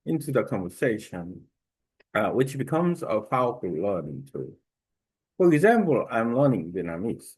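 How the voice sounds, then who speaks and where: Man, Korean accent, native Korean speaker, fairly low voice, reading a prepared text aloud, careful and halting, filler pauses. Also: a little mellow, slightly rough, low-quality recording. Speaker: language learner sharing a study method.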